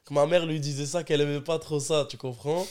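A young man talks quickly on a podcast, telling laid-back stories full of slang. His voice sits a bit high for a man. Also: steady tone, darkish tone, smooth. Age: young adult. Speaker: guest rapper. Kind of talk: casual podcast chat.

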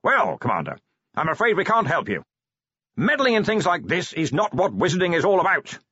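Man as jovial old storybook wizard, loud, exclamatory, swooping pitch, slightly dull recording. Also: huge pitch swings, fairly quick, breathy edge, dry recording, full character voice. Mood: jovial, conspiratorial. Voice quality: loud, booming. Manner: hearty, exclamatory, conspiratorial. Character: booming jovial old wizard, head of a university.

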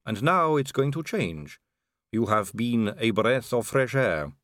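Brief: male narrator as a sly aristocratic vampire lady, audiobook; cool, unhurried, faintly mocking. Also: medium pitch, big pitch swings, a bit bright, dry recording, clean studio sound. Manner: cool, drawling, amused and poised. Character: calm, elegant, sly female vampire noblewoman. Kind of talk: audiobook character reading.

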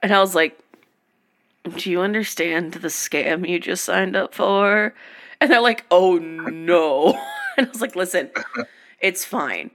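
A woman co-hosting a podcast in casual chat, a little hoarse after being sick, swearing freely and acting out the people she talks about. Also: fairly low pitch, slow pace. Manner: animated, swears a lot, acts out quoted exchanges. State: slightly hoarse after illness. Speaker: podcast co-host.

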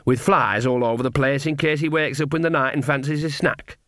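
A man's voice: mid-range voice, steady tone, a little fast, fairly bright tone, no room sound, studio quality, close to an everyday voice. A man voicing a cheerful, earthy old witch woman with folksy grammar in an audiobook. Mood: mischievous. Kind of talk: audiobook character acting.

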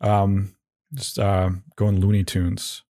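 A man with a fairly low voice hosts a casual solo podcast in a close, dry recording. He rambles in halting phrases, often doubling back on his words. His humor is self-deprecating and a little goofy. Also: completely flat delivery, warm tone, no echo. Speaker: podcast host.

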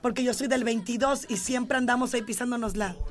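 A woman's voice: fairly high pitch, brisk, soft background music. A woman with a Mexican accent co-hosting a casual gossip podcast, playful and teasing with slangy remarks. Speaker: podcast co-host.

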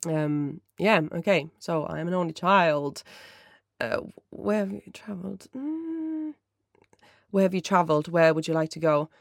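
Mellow gravelly podcaster. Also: mid-range voice, animated, unhurried, no room sound, studio quality. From Finland. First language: Finnish. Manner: mellow, rambling, self-correcting. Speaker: podcast host. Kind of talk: casual solo chat answering listener questions.

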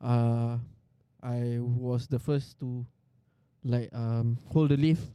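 A man's voice: mid-range voice, steady tone, takes it slowly, warm tone, clean tone, dry recording. A man with a Singaporean accent in casual podcast banter, speaking colloquial Singlish as a co-host. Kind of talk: casual chat.

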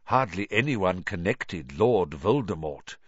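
A man voicing a gentle, wise elderly headmaster who speaks softly. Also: low-pitched, animated, slow, husky, dry recording, highs cut off, full character voice. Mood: explaining. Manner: gentle, soft-spoken.

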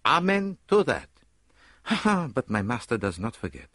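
A fussy, excitable Belgian detective, as a male narrator puts him on, in a storybook reading. His voice sits high and swings all over with a breathy, husky edge. The recording is close and dry. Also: no echo. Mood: animated, pondering. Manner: theatrical, rising pitch, quick bursts. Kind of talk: audiobook character voice.

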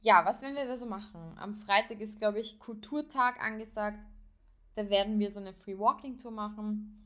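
A woman's voice: medium pitch, moderate pace, a bit bright. Young Austrian woman chatting casually. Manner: informal, sprinkles English phrases into her talk. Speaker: podcast host. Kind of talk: casual solo podcast chat, unscripted.

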